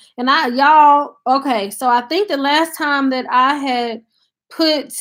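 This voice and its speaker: Bright and sharp in tone, a woman with a Southern US accent speaks at a high pitch with fairly even intonation. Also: very clean recording, silent background. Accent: country Southern. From US South, Tennessee. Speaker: YouTuber. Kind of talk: live stream chat. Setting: live stream. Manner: casual, chatty.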